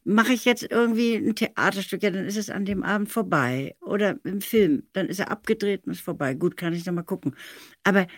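An older woman recalling studio work in an animated, anecdotal way, with emphatic stress on key words. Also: medium pitch, brisk, no room sound. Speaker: audio drama director recalling studio work.

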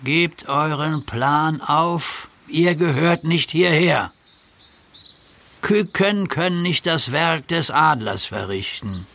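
Slow, solemn old man of warning. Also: fairly high pitch, lively intonation, creaky, bright, forceful tone, full character voice. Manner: slow, deliberate delivery. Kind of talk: German audio drama acting.

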